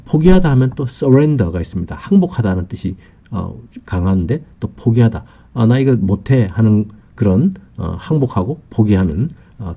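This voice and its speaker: A man with a low, husky voice teaches vocabulary at an unhurried pace. His tone is dark and mellow. He works through each word patiently, pausing on fillers as he lists its meanings. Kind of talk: explanatory lesson, unscripted.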